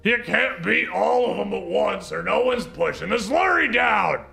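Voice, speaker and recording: Rough gravelly growling bully, shouting. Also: male voice, sits high, very animated, unhurried, pitched above the performer's own voice, exaggerated voice. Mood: angry shouting. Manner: shouting, bullying, barked orders. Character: angry gravel-voiced foul-mouthed overseer barking at child workers. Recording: roomy echo, music behind. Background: music.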